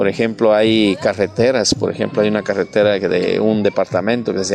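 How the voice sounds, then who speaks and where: Someone with a Guatemalan accent speaks at a moderate pace over noticeable background noise. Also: man. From Guatemala, Palín Escuintla. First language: Poqomam Mayan (speaking Spanish). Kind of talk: interview.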